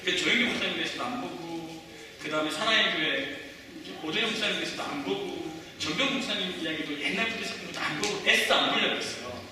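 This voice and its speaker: A man's voice: fairly high pitch, quick pace, distant mic, a crowd in the background. A pastor in his forties preaching a sermon, talking conversationally and quizzing the congregation with questions, heard from off the mic in an echoey church hall. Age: 40s.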